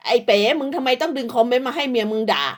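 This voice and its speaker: High-voiced woman hurling crude insults. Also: very animated, very fast. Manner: repeats insults and short tags like "na" and "ha". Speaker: online commentator. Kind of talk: profane rant at rival creators.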